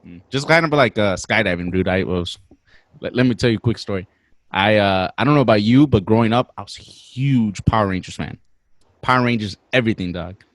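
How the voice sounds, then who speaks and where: A young man in his twenties telling a long story in a slangy, animated way, swearing as he goes. His voice sits a little low, and the recording is dry and close. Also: fairly quick, no room sound. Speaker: podcast guest. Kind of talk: casual storytelling.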